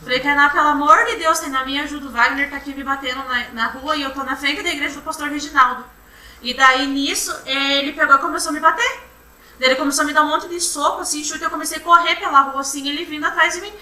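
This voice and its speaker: A young woman giving courtroom testimony, retelling events in a halting, repetitive way. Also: sits high, steady tone, sharp tone. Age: young adult. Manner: halting, repetitive retelling, often restarting with "then". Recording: roomy courtroom from far off, faint hum.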